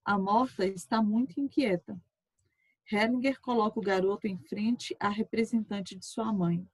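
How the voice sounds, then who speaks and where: Woman, teacher, reading aloud, measured, mid pitch, dry sound. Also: steady tone, darkish tone, husky, dry recording. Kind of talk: reading a session transcript aloud.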